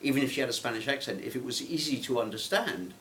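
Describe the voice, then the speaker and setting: A man's voice: mid-range voice, animated, fast, fairly bright tone, slight background noise, low-quality recording. A man from England, an English trainer, chatting in a group discussion in a chatty, self-mocking way with a lot of repeated starts.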